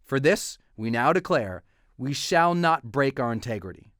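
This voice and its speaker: A man's voice: medium pitch, animated, normal speed, a bit bright, no room sound, studio quality. A man reading a motivational manifesto in a declamatory way. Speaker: reader.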